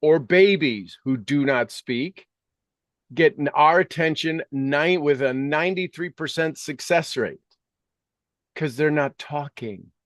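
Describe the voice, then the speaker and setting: A man's voice: a little high, slow, no room sound, studio quality. A middle-aged or older man talking conversationally like a coach, emphatic and repeating phrases to drive points home.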